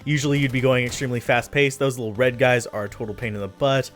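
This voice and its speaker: A let's play commentator talks quickly over his own gameplay in a medium-pitched, steady voice. He's chatty and self-deprecating and often loses his train of thought, with faint game music behind him.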